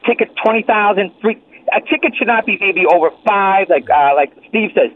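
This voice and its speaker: A man's voice: high-pitched, animated, fairly quick, a little hiss or hum. Man calling in on an old flip phone. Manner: rambling, polite, complaining. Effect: old flip phone call. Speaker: caller. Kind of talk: call-in radio chat. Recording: tinny flip phone line.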